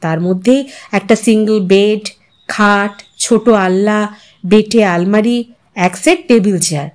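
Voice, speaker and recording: A woman's voice: medium pitch, slow, darkish tone. A woman reading a literary story aloud as a narrator, in a dramatized, musing manner. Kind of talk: expressive scripted story narration.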